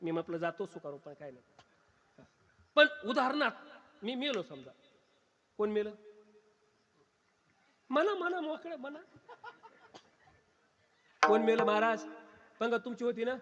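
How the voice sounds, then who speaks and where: A man's voice: extremely high pitch, expressive, a little slow, pauses often, pushed and bright. A male kirtan preacher giving a humorous sermon to a live audience, teasing them and quizzing the crowd with questions. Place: kirtan gathering before an audience. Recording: long hall reverb.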